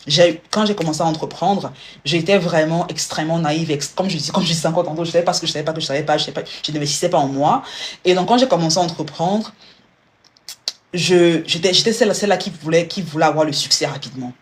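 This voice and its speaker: A woman talking fast through a live stream on money advice, addressing her listener directly. Her sentences tumble out with restarts and repeated words. A faint hum of noise sits behind her. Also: low-pitched. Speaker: personal finance coach.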